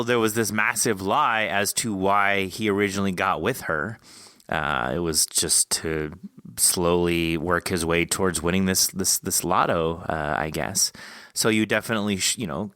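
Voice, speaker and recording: A man's voice: low-pitched, sharp tone, clear, resonant tone, no echo, clean studio sound. A man hosting a podcast, chatting casually with a guest in an enthusiastic, informal way. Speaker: podcast host interviewing an author. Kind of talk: casual interview chat.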